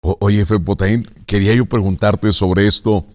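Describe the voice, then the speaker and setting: A man with a Mexican accent hosting a casual interview, chatty and relaxed in his questions. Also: fairly low pitch, moderate pace. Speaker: host.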